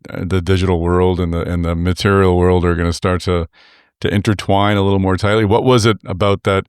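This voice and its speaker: A man with a very deep, smooth voice hosts a podcast interview. He asks long, meandering questions full of "uh"s and restarts. The sound is dry and close to the mic. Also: dry recording. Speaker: podcast host.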